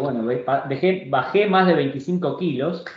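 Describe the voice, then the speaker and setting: Recorded with audible room echo, a man talks in a high pitch with ordinary pitch variation. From Argentina, Buenos Aires. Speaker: company director. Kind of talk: casual interview.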